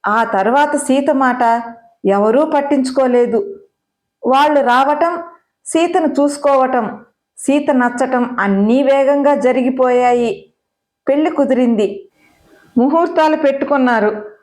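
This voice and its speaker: A woman storyteller reading a story in a measured, even narration. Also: sits high.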